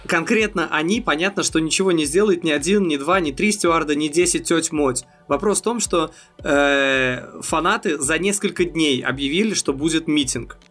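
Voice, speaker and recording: A man's voice: on the high side, moderate pace, few pauses, fairly bright tone, faint music behind. A man co-hosting a football podcast, talking things through in a thoughtful, analytical way with hesitant fillers. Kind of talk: casual chat.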